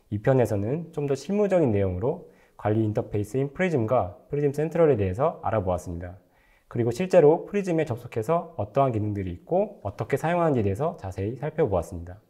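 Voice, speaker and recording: Male technical lecturer, mid-pitched with a warm, relaxed tone, formal prepared explanatory delivery. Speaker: technical lecturer, company engineer.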